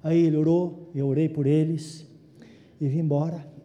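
A Brazilian man in his sixties, a pastor preaching a sermon, telling a story in a conversational way that swings between hushed and emphatic. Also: fairly high pitch, flat delivery, moderate pace, long reverb tail, dull audio. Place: church.

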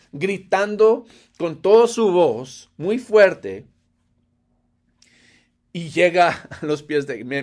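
Expressive male preacher, slow and pitched high. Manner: expressive, swings from loud to hushed, laughs often. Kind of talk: sermon.

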